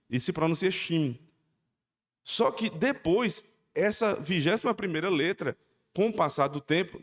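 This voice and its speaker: A male pastor delivers an animated sermon, his somewhat high voice leaping into emphatic peaks and dropping into low asides. The pace keeps shifting between quick runs and slow, stressed words. His voice rings through a church hall with long reverb. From Northeast Brazil. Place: church sanctuary.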